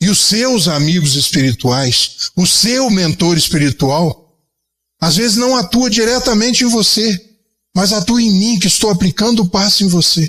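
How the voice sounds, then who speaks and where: With a high pitch and lively intonation, a man speaks at a fairly slow pace in very even loudness. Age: 60s. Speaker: spiritist lecturer. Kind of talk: religious lecture. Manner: conversational, addresses audience directly.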